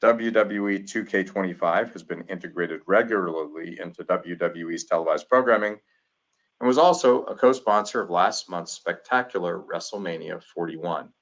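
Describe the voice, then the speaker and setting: Male executive for a quarterly earnings call, low register, formal measured read of prepared corporate remarks. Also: fairly bright tone, rough recording. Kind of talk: scripted corporate earnings presentation.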